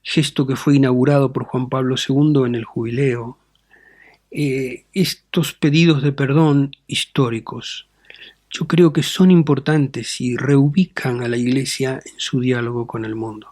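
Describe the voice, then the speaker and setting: Middle-aged man, deliberate bishop answering questions, medium pitch, dry close sound. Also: fairly even intonation, darkish tone, no echo. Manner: deliberate, frequent tag questions and fillers. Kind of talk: measured interview answers.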